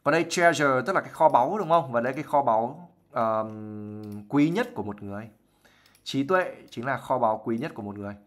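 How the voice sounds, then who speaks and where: A man's voice: medium pitch, expressive, fairly quick. A man teaching English vocabulary on a live stream. He reads a novel aloud and explains words chattily, mixing English words into his talk and acting out examples. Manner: laughs and acts out examples while explaining. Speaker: IELTS teacher.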